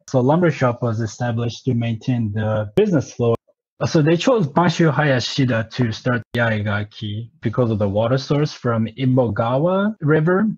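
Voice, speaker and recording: Slightly husky man in his thirties. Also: mid-range voice, darkish tone, highs cut off. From Japan, moved to Southern California at twelve. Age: 30s. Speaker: interview guest, sake company representative. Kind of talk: conversational interview storytelling.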